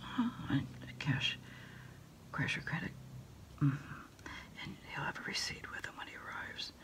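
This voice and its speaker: A middle-aged woman doing a hushed ASMR roleplay, unhurriedly taking orders into a phone handset. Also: low-pitched, animated, a little slow. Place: small indoor desk space.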